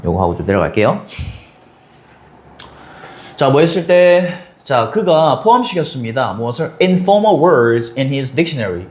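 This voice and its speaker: Lively, questioning male English teacher. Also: medium pitch. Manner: explains step by step, asks students quick questions; switches between plain and exaggerated voices for example lines. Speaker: English teacher at a cram school. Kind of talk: textbook explanation lesson for high schoolers.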